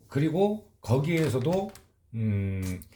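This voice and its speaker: A man's somewhat breathy, medium-pitched voice at a very slow pace, with very wide pitch swings and audible room echo. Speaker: leather restoration craftsman. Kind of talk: tutorial. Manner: casual, conversational.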